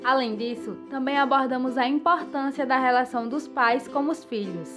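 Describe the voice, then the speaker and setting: Woman presenter, Brazilian, high voice, scripted podcast read over music. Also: moderate pace. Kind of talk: scripted narration. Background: background music.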